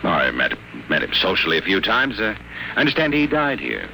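An actor playing a bold, inquisitive investigator in a 1950s radio drama, with a brisk, casual, probing manner. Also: male voice, low-pitched, wildly swooping pitch, vocal fry, pushed and bright, heavily acted. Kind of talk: 1950s radio drama acting with first-person narration. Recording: very noisy old 1950 radio broadcast.

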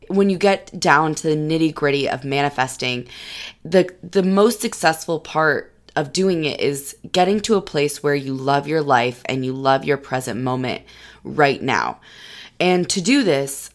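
A young woman hosting her own podcast as a lifestyle coach, hoarse from losing her voice, chatting warmly and encouraging listeners directly. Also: low voice. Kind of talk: solo podcast monologue. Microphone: studio podcast mic.

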